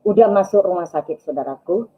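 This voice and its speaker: A woman's voice: on the low side, expressive, brisk, dull audio. A woman telling her personal testimony to a congregation, acting out the dialogue and often calling listeners brothers and sisters. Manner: storytelling, acts out dialogue, keeps addressing listeners as brothers and sisters. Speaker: testimony speaker at a church broadcast.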